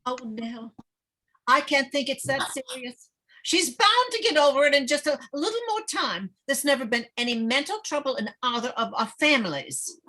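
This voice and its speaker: A woman's voice: sits high, very animated, moderate pace, bright, forceful tone, full character voice, low-quality recording. A woman playing an anxious, pleading small-town mother in a dramatic table read. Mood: uneasy, hushed. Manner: pleading, worried.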